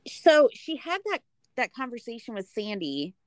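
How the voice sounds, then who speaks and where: A woman's voice: a little high, sing-song, moderate pace, no echo. An American woman co-hosting a podcast in a casual, conversational recap style. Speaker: podcast co-host.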